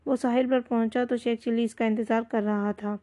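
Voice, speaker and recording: A woman storyteller giving a steady, even scripted storybook narration. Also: fairly high pitch. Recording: dull lo-fi recording.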